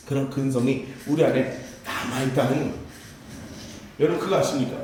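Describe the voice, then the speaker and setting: A man preaching a sermon as pastor, impassioned and at times shouting. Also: extremely high pitch, slight background noise. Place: church sanctuary. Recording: echoey church hall, voice from a distance.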